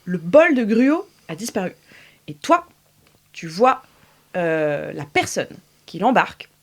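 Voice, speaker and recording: A woman's voice: on the low side, very animated, takes it slowly. A young woman narrating as game master of an improvised tabletop game, hesitating with fillers and laughing often.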